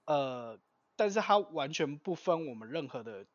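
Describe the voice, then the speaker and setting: A man on a podcast tells a story casually, rambling and relaxed, with many fillers. His pitch is average. The recording sounds dry and a bit dull, with no room echo. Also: normal speed. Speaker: podcast co-host. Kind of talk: casual chat.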